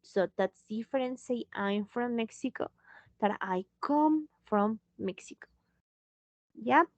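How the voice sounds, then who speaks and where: Woman English teacher, slow and patient delivery, fairly high voice, dull dry call audio. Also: animated, no room sound. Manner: slow, patient, switching into Spanish to explain. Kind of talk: online English lesson.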